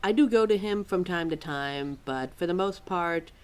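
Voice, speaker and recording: A woman playing a quirky, exasperated, motherly keeper of forgotten lore in an ad-libbed audio roleplay, chatty and wry with halting, musing asides. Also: lowish voice, a little mellow, clean tone, natural voice. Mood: musing, informative. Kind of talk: ad-libbed ASMR-style roleplay, talking to a listener.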